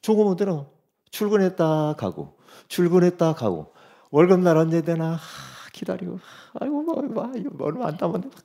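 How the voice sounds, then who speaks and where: Korean preacher guy, highish voice, wild ups and downs, loud then hushed. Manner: dramatic swings from loud exhortation to quiet asides; talks directly to congregation members. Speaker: pastor. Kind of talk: sermon.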